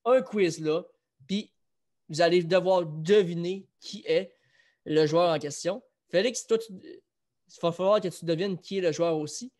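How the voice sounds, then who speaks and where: A man's voice: sits high, unhurried, darkish tone. A man with a Quebec French accent hosts a casual sports chat show. He talks loosely and keeps things moving as he runs a trivia quiz for viewers. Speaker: host.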